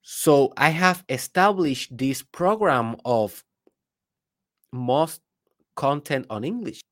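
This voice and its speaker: Slow-paced and a bit bright at medium pitch, a Spanish-accented business coach who speaks Spanish natively delivers an emphatic motivational talk on his own. Rhetorical questions aimed at the listener come up often.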